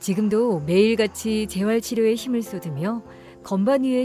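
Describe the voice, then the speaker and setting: Music plays behind a woman speaking at a fairly high pitch. Her intonation is lively. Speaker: documentary narrator. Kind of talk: documentary narration.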